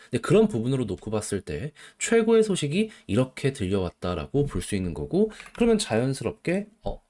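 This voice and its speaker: Animated man explaining stock market moves. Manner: animated, rhetorical questions, emphatic pitch swings. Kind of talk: solo market commentary.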